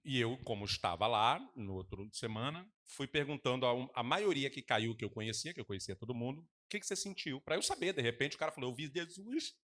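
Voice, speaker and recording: A man preaching as pastor with a Brazilian Portuguese accent, animated and mocking in his asides. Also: medium pitch, fast talker, few pauses. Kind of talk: sermon with congregation exchange.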